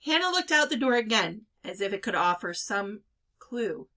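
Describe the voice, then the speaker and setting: A woman reading a children's novel aloud as an expressive storyteller. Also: mid-range voice, moderate pace. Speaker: storybook reader.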